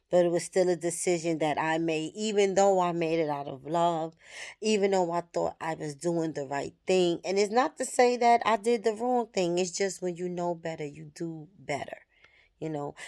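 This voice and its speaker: A woman's voice: sits low, a little mellow. A woman in her thirties talking candidly and reflectively to the camera, swearing freely as she thinks aloud. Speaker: vlogger. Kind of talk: personal reflective monologue.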